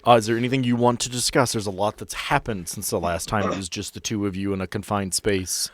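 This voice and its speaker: Low-voiced man narrating as game master. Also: steady tone, fast talker. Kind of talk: narrating a tabletop roleplaying game.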